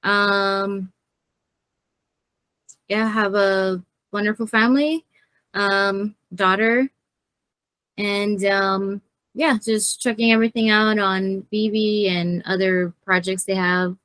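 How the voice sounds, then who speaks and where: Slow-talking woman, brief and shy. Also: mid-range voice, fairly even intonation, a bit bright, smooth, no room sound. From Hawaii. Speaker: guest panelist. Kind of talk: casual chat.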